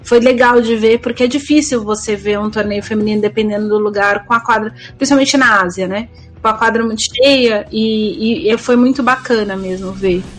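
A Brazilian woman chats casually as a sports podcast commentator. Her voice sits a little high, with faint music behind her. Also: fairly even intonation, moderate pace.

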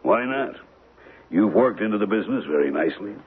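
An actor playing an aging, cautious jewel dealer in an old radio drama, gravelly and husky, speaking in a measured, businesslike, authoritative way. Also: male voice, on the low side, expressive. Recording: muffled, tinny old radio recording.

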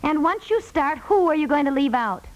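An actress playing a chatty, cheerfully persistent wife in a natural, conversational 1950s radio comedy style. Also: female voice, sits high, animated, muffled recording. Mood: firm, persuasive. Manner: chatty, coaxing, brisk. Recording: vintage 1950s radio recording.

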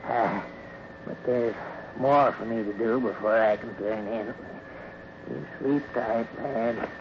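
An actor playing a crusty old hobo with a folksy rural American accent in a 1950s radio drama. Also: male voice, medium pitch, fairly even intonation. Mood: tender. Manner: folksy, scolding, drawn-out sighs and exclamations. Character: crusty old hobo, gruff outside, kindly underneath. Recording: muffled, noisy 1950s radio recording.

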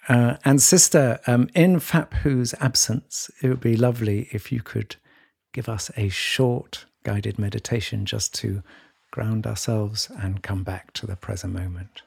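Man, podcast host, lowish gravelly voice, courteous, gentle. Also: steady tone, a little slow, no room sound, clean studio sound. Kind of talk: polite interview talk.

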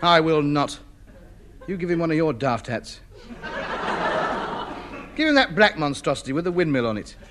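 A man's voice: on the high side, very animated, moderate pace, pauses often, background noise. An actor playing a vain, self-important man who clings to faded grandeur, in a 1950s radio sitcom. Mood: indignant. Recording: old radio broadcast.

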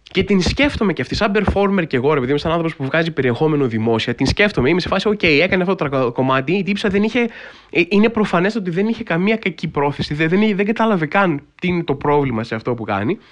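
A man hosting a podcast, talking casually and at length in an animated storytelling way, with wry, incredulous humor and lots of filler phrases. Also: fairly high pitch. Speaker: podcast host.

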